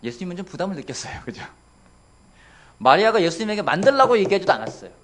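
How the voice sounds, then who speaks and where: Lively Korean pastor preaching. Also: male voice, high-pitched, quick pace. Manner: lively, asks the congregation questions, playful voices for quotes. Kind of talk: sermon. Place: church sanctuary.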